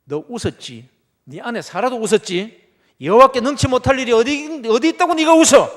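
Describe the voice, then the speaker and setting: A man voicing God as a stern male figure angrily scolding, shouting his rebukes. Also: extremely high pitch, lively intonation, a little fast, in a large hall, voice pushed up. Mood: angry scolding.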